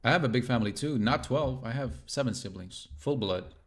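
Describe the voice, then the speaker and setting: A man's voice: medium pitch, expressive, fairly quick. A young man hosting a casual interview, laid-back and joking with slangy asides. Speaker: podcast host.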